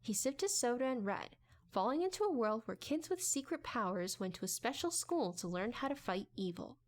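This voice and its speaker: Lively, high-voiced woman narrating. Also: moderate pace. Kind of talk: dramatic audiobook narration.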